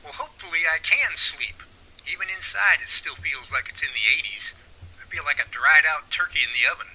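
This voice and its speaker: A man's voice: a little high, lively intonation, a little fast, bright, forceful tone, a little hiss or hum, heavily acted, poor audio. A man playing an easygoing young Bigfoot researcher from California in an amateur radio drama, with a folksy, wry manner. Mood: wry, weary.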